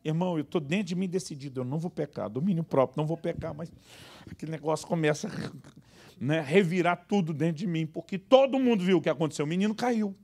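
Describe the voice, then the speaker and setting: A pastor preaches with comic timing, his fairly high voice leaping into other characters' lines as he tells a story from the pulpit. The talk is lively and playful, aimed at a church congregation. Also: quick pace, vocal fry. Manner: animated, acts out quoted dialogue with sudden high voices. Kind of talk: humorous storytelling sermon. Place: church service.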